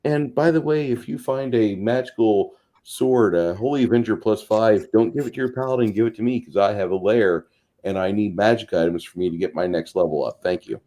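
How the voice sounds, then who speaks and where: A man's voice: lowish voice, brisk, mellow, lightly acted. A man voicing a self-serving dragon ally in a tabletop game, casual and presumptuous as he claims treasure. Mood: smugly entitled.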